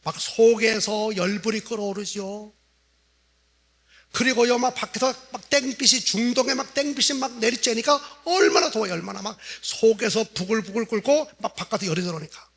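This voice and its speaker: A man's voice: sits high, a bit bright. A middle-aged male pastor preaching a revival sermon in a church, telling the story vividly and acting out the quoted lines. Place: church sanctuary.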